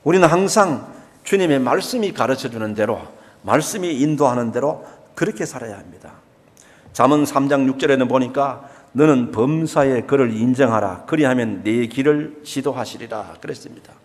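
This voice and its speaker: Older Gyeongsang pastor with lively pitch. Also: male voice, moderate pace. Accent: Gyeongsang Korean. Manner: emphatic, repeats key phrases, acts out everyday speech. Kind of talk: sermon. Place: church sanctuary. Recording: long church reverb.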